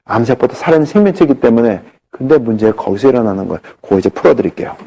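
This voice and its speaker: A man's voice: mid-range voice, racing, gravelly, breathy edge. A middle-aged man giving a health lecture, telling stories and acting out the dialogue in them. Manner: animated, acts out dialogue in his anecdotes.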